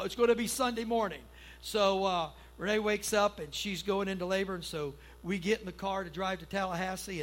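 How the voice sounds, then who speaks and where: Folksy high-voiced pastor man. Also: a bit bright, low-quality recording. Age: middle-aged. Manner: storytelling, folksy, asks the crowd for agreement. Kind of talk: conversational sermon and prayer. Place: church.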